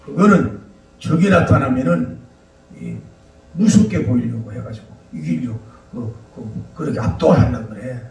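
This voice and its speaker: A man's voice: medium pitch, lively intonation, moderate pace, voice pushed down, close to an everyday voice. A man voicing a proud, boastful father rooster who explains his big comb and beak to his son. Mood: boasting. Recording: echoey hall, distant mic.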